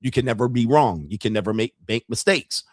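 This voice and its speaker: A man's voice: mid-range voice, expressive, a little fast, no room sound, studio quality. A man hosting a casual commentary livestream, joking and rambling in slangy talk. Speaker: podcast host.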